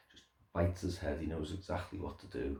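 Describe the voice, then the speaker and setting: A man speaks quietly with a British accent and a very deep, low pitch. His tone is calm and relaxed. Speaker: pet owner vlogger. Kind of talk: casual chat to camera. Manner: calm, relaxed.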